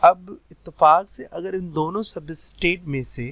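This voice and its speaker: A man teaching a biology lecture, mixing Hindi-with slowly read English textbook lines and answering his own questions. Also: fairly high pitch, a bit bright, no room sound, poor audio. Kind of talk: recorded lecture over animations.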